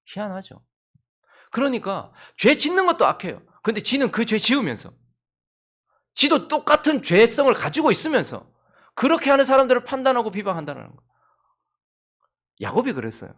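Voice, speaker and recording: A male pastor preaching an early-morning sermon. He swings between loud emphasis and hushed asides. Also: very high-pitched, huge pitch swings, normal speed, long pauses.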